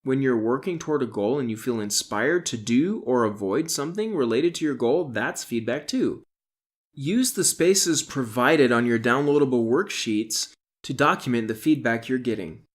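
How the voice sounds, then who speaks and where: A middle-aged man, an author, reads his self-help audiobook in a deliberate, instructional way, stressing key terms. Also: medium pitch, lively intonation. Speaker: author reading own audiobook.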